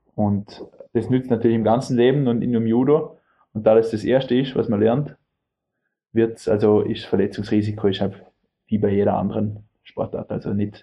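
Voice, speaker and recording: A man talks in a normal speaking voice at a medium pitch. His intonation is fairly even and his pace moderate. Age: 20s. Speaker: judo athlete. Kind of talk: interview.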